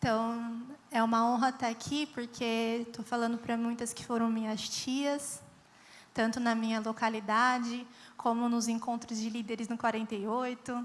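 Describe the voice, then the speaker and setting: Speaking at a fairly slow pace, a woman uses a fairly high pitch with monotone, flat intonation. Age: 20s. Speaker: preacher. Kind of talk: sermon.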